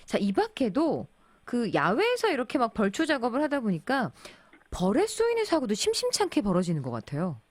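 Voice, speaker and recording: A woman hosts a radio program and interviews a guest by phone, moving briskly from question to question. Her pitch rises and falls a great deal. The studio sound is dry and close. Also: wildly swooping pitch, no room sound. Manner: brisk and engaged, frequent short acknowledgments. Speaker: radio host. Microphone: studio mic.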